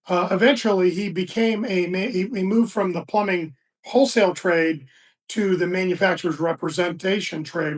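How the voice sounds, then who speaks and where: A man in his sixties talks through stories in a relaxed, meandering way, pausing and restarting often. His voice sits high for a man. He is heard from a distance, away from the mic. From Florida, USA. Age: 60s. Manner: relaxed storyteller with many restarts and fillers. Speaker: guest, business founder. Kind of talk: casual interview talk.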